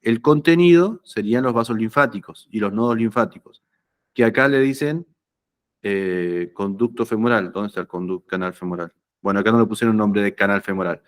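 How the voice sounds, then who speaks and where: A man's voice: lowish voice, brisk. Chatty man teaching anatomy. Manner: conversational, checks understanding often with "¿sí?". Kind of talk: lecture explaining slides.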